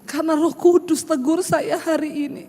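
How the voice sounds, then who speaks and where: A woman's voice: high voice, steady tone, normal speed, mellow. A woman pastor preaching a sermon, telling a personal story with emotion and speaking straight to the congregation. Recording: long hall reverb.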